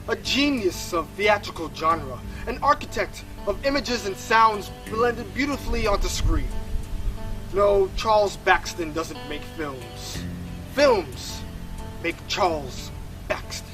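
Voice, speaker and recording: A man's voice: high-pitched, lively intonation, measured pace, echoey room, far from the mic, music in the background, low-quality recording. A man playing a pretentious, self-worshipping film auteur in a mock documentary interview. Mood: grandiose. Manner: grandiose, pretentious, self-serious. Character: pompous self-worshipping male auteur filmmaker.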